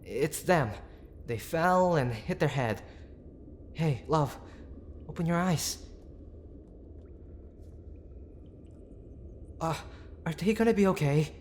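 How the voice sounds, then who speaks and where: A man playing a gruff but tender tsundere boyfriend in an intimate audio roleplay, speaking in a halting, earnest way. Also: on the high side, lively intonation, slight background noise, pitched above the performer's own voice. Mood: desperate, panicked. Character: gruff young tsundere boyfriend, worried, stubborn, tender underneath.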